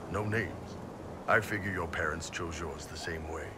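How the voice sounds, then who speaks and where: An actor playing a huge, easygoing horned mercenary in a fantasy game, laid-back and blunt. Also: male voice, low voice, a little slow, noisy background. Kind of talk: fantasy video game acting. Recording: clear game ambience behind.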